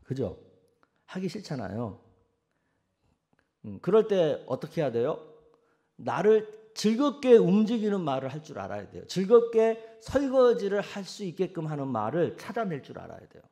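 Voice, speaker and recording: A senior pastor preaching a sermon, asking the congregation questions and acting out quoted sayings in a soft, low voice. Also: male voice, very animated, normal speed. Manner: asks the congregation direct questions.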